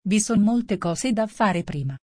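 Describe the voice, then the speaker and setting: A woman's voice: medium pitch, animated, a little slow, a little mellow, dry recording, clean studio sound. A woman voicing the White Rabbit, a fussy court herald, proclaiming and hurrying things along.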